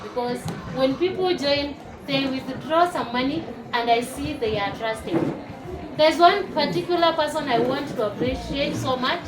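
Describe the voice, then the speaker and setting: A woman in her forties from Uganda, a teacher and network marketer, giving a lively testimonial to a live audience and rallying them to clap. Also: sits high. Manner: lively, rallies the crowd to clap. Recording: echoey hall, far from the mic, noisy.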